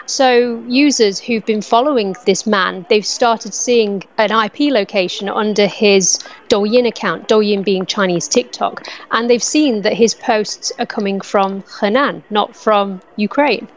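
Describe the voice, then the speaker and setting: A woman from the UK, a media analyst, explaining a story clearly in a news interview. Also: mid-range voice, measured pace, muffled recording, slight background noise.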